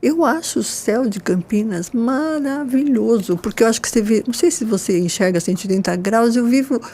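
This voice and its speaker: A woman in her sixties, a nurse, talking warmly and expressively in a casual panel conversation. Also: on the high side, a little fast. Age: 60s. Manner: enthusiastic, expressive, with frequent "né?" tags. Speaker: nurse and guest.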